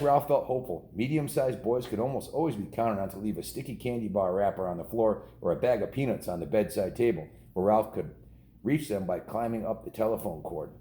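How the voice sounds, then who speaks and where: In a warm, fairly low voice, a middle-aged American dad reads a storybook aloud for children and chats casually in a home vlog style.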